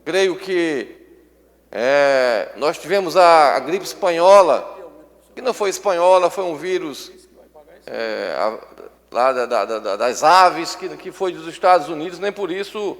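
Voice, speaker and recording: A legislator with a high voice weighs his words, stopping often. The delivery is measured rather than forceful. A long reverb from the assembly hall hangs behind him. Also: expressive. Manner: measured, hesitant, with many pauses. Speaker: state legislator. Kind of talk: parliamentary floor speech.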